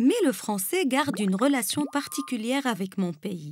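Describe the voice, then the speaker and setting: A woman speaks with a Lebanese accent, somewhat breathy and fairly slow. Her pitch swings very widely. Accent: Lebanese accent, rolled R. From Lebanon. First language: Arabic (speaking French). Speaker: essayist presenting a segment. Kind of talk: scripted narration.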